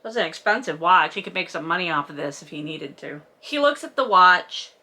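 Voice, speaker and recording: A woman's voice: on the low side, very animated, a little fast, pushed and bright. A woman giving a casual, comedic book recap with sarcastic, wry asides, in the manner of a video host.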